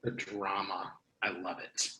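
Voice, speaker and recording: An actor playing a wisecracking, skeptical male sidekick in an animated comedy table read. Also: low voice, slow pace, roomy sound, full character voice, rough recording. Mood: playful.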